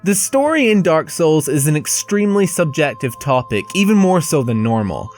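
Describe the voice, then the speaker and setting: A man's voice: a little high, very animated, moderate pace, a little mellow, soft background music. A man narrating a video game review in a casual, scripted style, blunt and casually profane.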